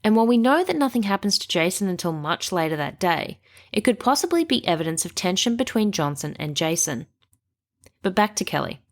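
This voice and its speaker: A woman hosting a true crime podcast, reading a measured scripted narration with a stuffy nose. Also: mid-range voice, very animated. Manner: measured, reasoning aloud through evidence.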